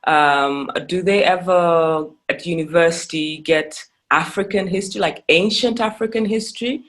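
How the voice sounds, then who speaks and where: A man from Uganda who grew up in Kenya and the UK is interviewing a guest. His voice runs fairly high. He speaks in a measured, hesitant way with frequent ums. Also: fairly bright tone. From Uganda, raised in Kenya and the UK. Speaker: interviewer, filmmaker. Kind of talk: interview questions and dialogue.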